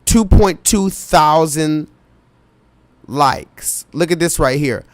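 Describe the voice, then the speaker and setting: Taking it slowly in a slightly high voice with no echo, a man hosts a live reaction stream. He reads viewer comments aloud and insists on his point to chat, speaking to them directly with urgent, repetitive remarks.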